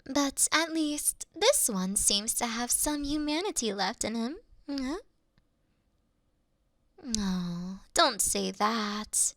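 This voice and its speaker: A woman playing a mischievous, affectionate fox-spirit shrine priestess in an intimate roleplay, coy and teasing, often slipping into a breathy whisper. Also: fairly high pitch, expressive, slow, a bit bright, no echo, full character voice. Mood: reflective, gentle. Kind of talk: intimate roleplay ASMR acting.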